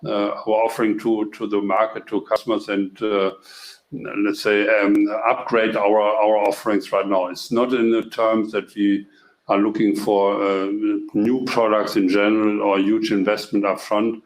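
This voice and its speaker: Lowish-voiced man, monotone, echoey call. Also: measured pace. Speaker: company executive. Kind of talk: answering investor questions on a call.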